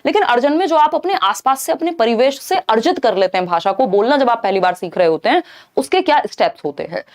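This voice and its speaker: Woman teacher going through exam questions on a live stream, slightly high voice, keeps asking "right?". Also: quick pace. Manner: lively explanatory, checks in with "ठीक है ना?"; mixes Hindi with English terms. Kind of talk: live online lesson.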